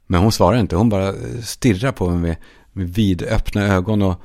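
A man hosting a solo comedy podcast, telling absurd stories in a deadpan way and now and then shouting out quoted lines. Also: deep voice. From Sweden. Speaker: podcast host.

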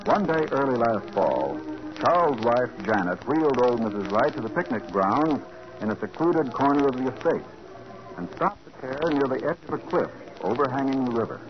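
A man's voice: medium pitch, very animated, normal speed, music in the background. Formal 1940s radio announcer, man. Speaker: announcer and narrator. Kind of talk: scripted narration. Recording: muffled old radio broadcast with hiss.

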